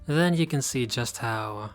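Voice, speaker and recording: In a scripted roleplay audio addressed to the listener, a man voices a haughty yet friendly vampire lord, formal, fussy and politely pompous, with a gracious, refined mood. His medium-pitched voice is unhurried and close to everyday speech, with faint music behind.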